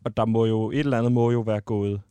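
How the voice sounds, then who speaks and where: Male comedy podcast host, excitable, hesitant delivery. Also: on the low side, clean tone, dry recording. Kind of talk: on-location comedy reportage.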